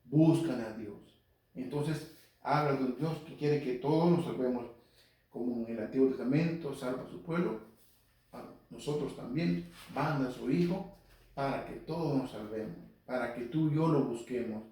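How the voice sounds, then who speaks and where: A man gives an earnest, conversational Bible talk on the radio, repeating points and speaking straight to his listeners. His voice is mellow and warm. He sits well back from the microphone, and the room sounds very echoey. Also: mid-range voice, normal speed. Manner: earnest, repetitive, addresses listeners directly. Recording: very echoey, speaker far from mic.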